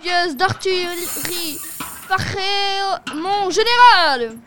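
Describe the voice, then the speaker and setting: A woman's voice: very high voice, animated, drawn-out words, noisy background, pitched above the performer's own voice, full character voice. A woman voicing a timid old uncle dressed as a soldier, hesitant and stumbling over fillers. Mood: eager salute. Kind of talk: storybook character voice.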